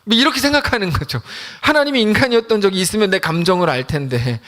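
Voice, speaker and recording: Lively high-voiced male pastor preaching. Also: fast. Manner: conversational preaching, acts out prayers in quoted voices. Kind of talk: sermon.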